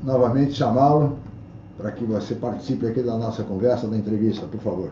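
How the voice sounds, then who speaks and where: At a moderate pace and with ordinary pitch variation, a man talks in a room with audible echo and light background noise. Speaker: news interview host. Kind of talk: formal TV interview. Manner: formal. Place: studio.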